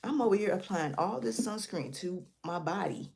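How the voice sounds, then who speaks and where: A woman's voice: on the low side, expressive, moderate pace, vocal fry, darkish tone. A young woman, chatting casually and rambling through a skincare product review, laughing at herself. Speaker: beauty vlogger.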